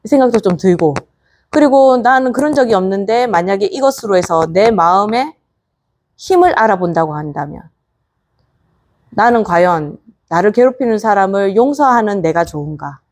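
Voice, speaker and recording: Buddhist nun giving a friendly dharma talk. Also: female voice, medium pitch, lively intonation, moderate pace, a little mellow. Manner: coaxing rhetorical questions to the audience. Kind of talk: conversational dharma lecture.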